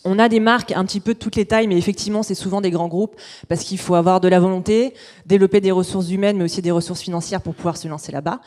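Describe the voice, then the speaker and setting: A woman presents her company as its founder. Her voice is mellow and soft-edged, sitting at a middle pitch as she delivers a business pitch. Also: fairly even intonation, fast talker.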